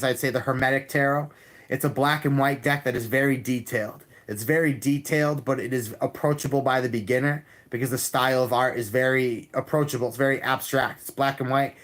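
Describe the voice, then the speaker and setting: A man reading tarot cards on a live stream, talking calmly and repeating himself, with frequent restarts. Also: mid-range voice. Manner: calm, repetitive, with many restarts.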